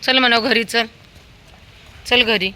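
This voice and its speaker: A woman with a fairly high, sharp voice speaks slowly and fairly evenly while chatting casually on a dog walk down a sunny street for her vlog. She calls out coaxingly, in sing-song, to a toddler and the dogs, with slight background noise.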